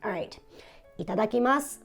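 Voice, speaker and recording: Nearly voiceless and hoarse, a young woman food vlogger speaks a little fast in a mid-range, subdued, raspy monotone, letting out small laughs as she tastes food in a casual vlog at her home in Japan. Soft music plays in the background.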